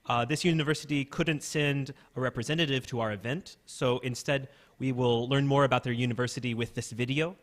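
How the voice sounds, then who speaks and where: A man with an ordinary mid-pitched voice hosts a live-streamed education fair. He introduces each segment in an easygoing way, pausing often on small fillers. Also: steady tone. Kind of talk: live event hosting.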